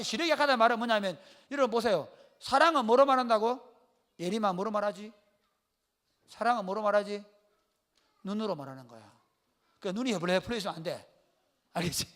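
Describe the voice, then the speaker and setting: Man, pastor, Gyeongsang accent, bright voice, sermon, folksy joking delivery. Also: very high voice. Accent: Gyeongsang Korean. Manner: lively storytelling, calls on listeners by name; colloquial, jokes with the congregation.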